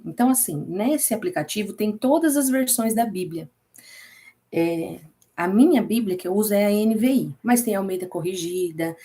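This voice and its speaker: A woman's voice: on the high side, mellow. A woman with a Brazilian Portuguese accent teaching a casual Bible study class, chatty and often checking in with her students.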